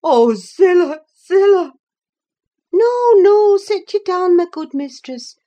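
A woman's voice: very high voice, animated, measured pace, mellow, muffled recording, pitched above the performer's own voice. A woman voicing a chattering rustic housekeeper in country dialect. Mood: alarmed. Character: rustic middle-aged housekeeper woman, gossipy.

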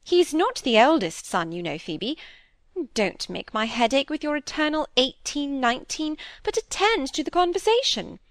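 Bossy gossipy old spinster, a woman putting her on, high and pushy, scolds everyone. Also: sing-song, normal speed, dry recording, clean studio sound. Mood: prying. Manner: emphatic, scolding.

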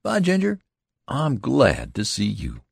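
A man voicing a loud, excitable young soldier who talks in high, breathless exclamations. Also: slow pace, vocal fry, breathy edge, no echo, studio quality, exaggerated voice. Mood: excited.

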